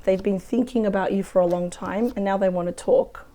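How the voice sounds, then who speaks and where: A woman with a weak, croaky voice from a cold, chatting through a weekly tarot reading. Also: mid-range voice, fairly even intonation, brisk, dark tone. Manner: chatty, thinks aloud over the cards. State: hoarse from a cold. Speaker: tarot reader. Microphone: close microphone.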